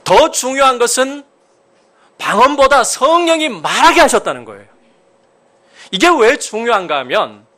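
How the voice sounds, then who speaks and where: Preaching as a pastor, this man is emphatic, abruptly raising his pitch and loudness and directing questions at the congregation.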